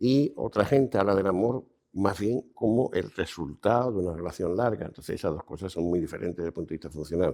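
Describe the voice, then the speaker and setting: Very deep and low in pitch, a man's voice has a dark, mellow tone. He speaks at a very fast pace with lively intonation. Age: 70s. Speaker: behavioral psychologist. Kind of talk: interview. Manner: halting.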